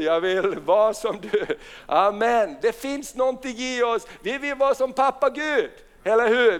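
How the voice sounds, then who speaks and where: A man from Finland with a Finland-Swedish accent, preaching fervently and punctuating his sermon with amen and hallelujah, reading scripture slowly. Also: high-pitched, smooth. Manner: reads scripture slowly and deliberately.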